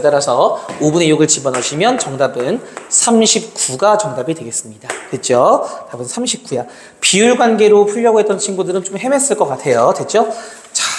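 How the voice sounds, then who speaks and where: A male math tutor working through exam problems step by step, talking calculations aloud and checking in with his students. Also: fairly high pitch. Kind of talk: exam problem walkthrough lecture. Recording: roomy reverb, faint noise.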